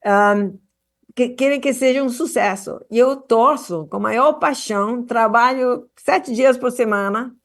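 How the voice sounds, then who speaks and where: A woman from Argentina speaking Portuguese, giving an earnest address to a public hearing over a remote link, halting with frequent restarts and fillers. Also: on the high side, fairly bright tone. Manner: passionate, earnest.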